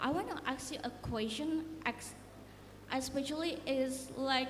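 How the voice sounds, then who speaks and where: A woman with an Indonesian accent and a high voice, amid noticeable background noise and audible room echo. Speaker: student asking a question. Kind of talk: conference Q&A question. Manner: halting.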